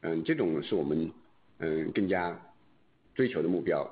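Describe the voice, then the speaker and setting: A male executive answering on an earnings call in a deliberate, halting way. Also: low voice, slight background noise. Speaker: company executive answering questions. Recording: thin phone-like conference line.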